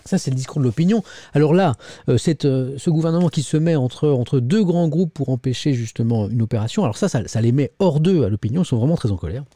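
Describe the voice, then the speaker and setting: Chatty man reviewing the press, dark voice. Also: mid-range voice, lively intonation, fast talker, no echo. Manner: chatty, reads editorials aloud and comments, talks to the chat. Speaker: host of a morning press review stream. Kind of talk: casual live press review.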